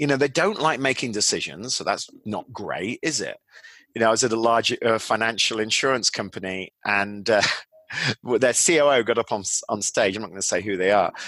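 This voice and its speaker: Speaking at a moderate pace in an English accent, a man has a medium pitch and ordinary pitch variation. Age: 40s. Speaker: agile expert. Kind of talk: casual interview chat.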